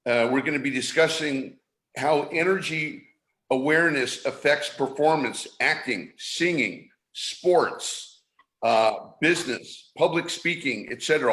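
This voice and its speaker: A medium-pitched, fairly bright voice comes from a middle-aged San Francisco man hosting a live online show. His casual live-stream chatter is packed with restarts and fillers.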